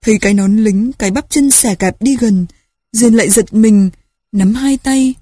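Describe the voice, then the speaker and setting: A woman reading a storybook aloud as an audiobook narrator, measured and in short phrases. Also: a little high, dark tone, no echo, studio quality.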